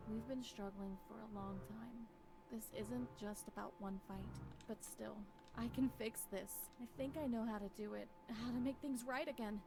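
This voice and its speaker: A woman's voice: on the high side, gravelly. A woman playing a distraught, unstable wife in a dramatic horror visual novel, with emotional, theatrical delivery. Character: distraught wife character, unstable, grieving, talking to silent husband.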